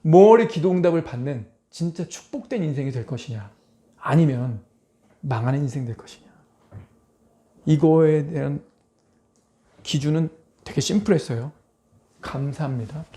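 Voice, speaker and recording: A man's voice: a little high, animated, normal speed, long pauses, warm tone. A male pastor preaching a sermon, emphatic, firing rhetorical questions at the congregation. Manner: acts out quoted voices in dramatic asides.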